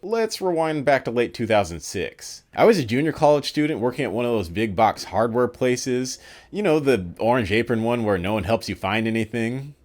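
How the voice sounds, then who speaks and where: A man's voice: medium pitch, animated, normal speed, a little mellow. A man in his thirties narrating a scripted personal story with dry, self-deprecating humor. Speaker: video creator.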